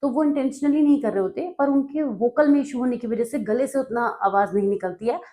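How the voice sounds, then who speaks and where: Higher-voiced woman tutor explaining notes. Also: brisk, mellow. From North India. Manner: conversational, checks in with listeners. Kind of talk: explaining exam study notes.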